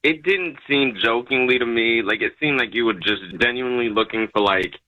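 A man's voice: medium pitch, fairly quick. A man on a phone call, talking bluntly and casually with lots of fillers. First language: not Spanish. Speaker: caller on phone. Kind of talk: phone conversation.

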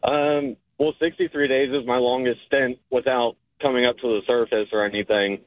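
A man calling into a radio show, calmly explaining with fillers. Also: mid-range voice, moderate pace, no room sound. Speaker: caller. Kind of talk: phone call-in. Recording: tinny phone line.

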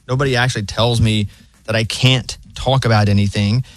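A man's voice: mid-range voice, fairly even intonation, brisk, dry recording. A man with a Southern accent hosting a radio show, talking in a laid-back, joking, plainspoken way. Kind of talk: casual radio banter.

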